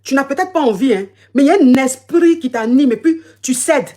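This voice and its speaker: A woman coach talks fast and with force, stacking repeated words as she hands out advice to a caller. Her voice sits a little high. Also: a little mellow. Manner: emphatic, repeats words and restarts often. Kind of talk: live call-in advice chat.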